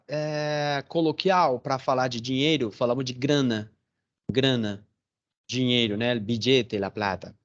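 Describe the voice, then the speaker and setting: A man's voice: mid-range voice, lo-fi sound. A man teaching a Portuguese class online, telling stories in a chatty way and checking in with his students often. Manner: chatty storytelling with frequent "né?" and "tá certo?". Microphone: phone or computer on a video call.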